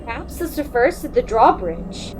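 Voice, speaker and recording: High-pitched woman playing a curious female investigator, musing aloud, fairy-tale game, audible background noise. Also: sing-song, normal speed. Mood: pondering. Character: curious woman detective exploring a sealed fairy-tale kingdom. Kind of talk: hobby fandub game narration. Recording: clearly noisy home recording.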